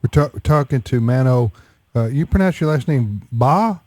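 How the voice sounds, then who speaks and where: A man's voice: mid-range voice, animated, normal speed, a little mellow, dry recording. A male radio host interviewing a guest in a conversational way, often restarting.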